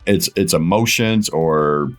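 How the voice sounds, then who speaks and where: A man talking casually as an interview guest, thinking aloud in short, halting phrases. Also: low voice. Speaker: voice actor and director, interview guest. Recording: music behind the voice. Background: background music.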